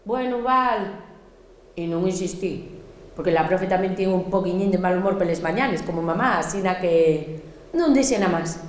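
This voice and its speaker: A woman's voice: lowish voice, normal speed, reverberant, slight background noise. Asturian woman telling a child's tale. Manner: plays a small girl, lively and mock-dreamy. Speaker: storyteller. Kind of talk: theatrical storytelling monologue.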